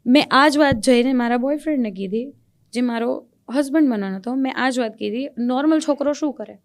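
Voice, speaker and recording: A young Gujarati woman speaks as a podcast guest, her voice sitting a little high. She tells a hard personal story earnestly and gets animated when she recalls the anger. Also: fairly quick.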